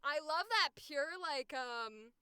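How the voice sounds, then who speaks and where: Woman host for casual stream chat: exclamatory voice actor, bright tone, very dry close sound. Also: high voice, expressive, slow, dry recording. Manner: effusive, exclamatory.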